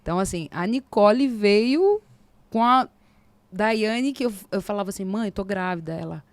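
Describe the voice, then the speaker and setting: A Brazilian woman in her forties, a podcast guest, telling a faith testimony in lively casual talk and acting out the dialogue. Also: medium pitch, moderate pace, dry recording. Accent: Brazilian Portuguese. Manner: animated storyteller, acts out quoted dialogue.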